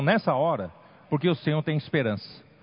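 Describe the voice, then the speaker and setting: A man is speaking. His pace is moderate. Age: 70s. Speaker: pastor. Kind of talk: sermon.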